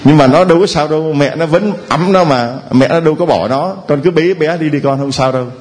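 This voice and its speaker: A man's voice: fairly high pitch, a little fast, a little mellow. A Catholic priest preaching a sermon to his congregation in a church, playful and humorous, acting out the voices of the people he quotes.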